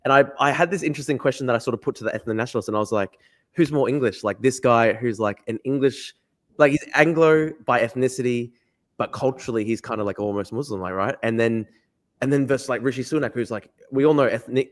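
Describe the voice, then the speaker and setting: A man's voice: medium pitch, fast. A man hosting a podcast interview, rambling in a casual way and filling his speech with "like". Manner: rambling, heavy use of "like". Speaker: podcast host.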